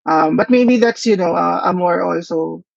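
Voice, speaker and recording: Gravelly man presenting at a workshop. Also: sits high, dry recording. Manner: thoughtful, hesitant, with frequent pauses. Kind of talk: conference presentation. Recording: dull lo-fi dry audio.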